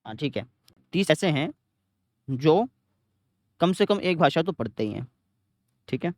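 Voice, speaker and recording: A man's voice: fairly high pitch, lively intonation, a little slow, darkish tone, no room sound, clean studio sound. A young man teaching a math lesson, repeating each step and answering his own questions, with a north Indian Hindi accent. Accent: Hindi-speaking north India. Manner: repetitive, explains step by step, asks questions and answers himself.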